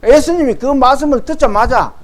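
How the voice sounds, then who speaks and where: High-voiced male pastor preaching. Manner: reads verses slowly and emphatically, acts out quoted voices. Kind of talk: sermon with scripture reading.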